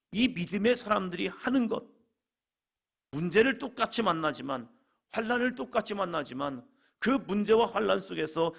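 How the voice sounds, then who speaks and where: A middle-aged man preaching a sermon as pastor, reading scripture slowly and building to emphatic calls. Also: a little high, vocal fry, a bit bright.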